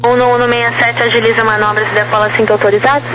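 A woman's voice: a little high, flat delivery, rapid-fire, music in the background. A woman with a Brazilian accent working as an air traffic controller, giving procedural instructions over aviation radio. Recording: noisy aviation radio with hum.

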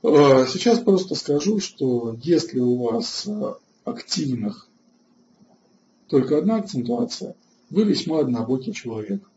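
A man hosting an online webinar lecture, halting with filler sounds and restarts, and answering chat questions between points. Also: fairly high pitch, sing-song, dark tone, lo-fi sound, slight background noise. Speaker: webinar host.

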